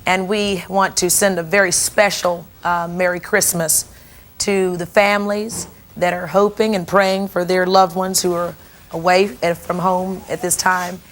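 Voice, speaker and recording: A woman's voice: on the low side, little pitch movement, measured pace. A woman hosting a television talk show, coaxing a guest to share his story before a studio audience.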